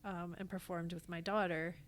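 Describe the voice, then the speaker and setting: A woman's voice: lowish voice, level tone, moderate pace. A middle-aged American woman talking casually as a theatre guest on a podcast. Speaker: podcast guest, theatre actor and company founder.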